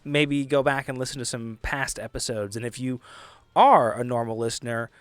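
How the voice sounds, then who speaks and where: A man's voice: medium pitch, moderate pace, no room sound. A man speaking casually as a podcast host, chatting to listeners and fellow players.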